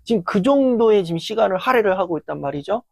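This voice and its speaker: An earnest motivational lecturer whose voice has gone tired after a long filming session, speaking in a dry, close sound. They talk steadily at a middling pitch and act out inner voices in sudden loud bursts. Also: animated, fast talker, vocal fry, no echo. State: voice worn down after hours of filming.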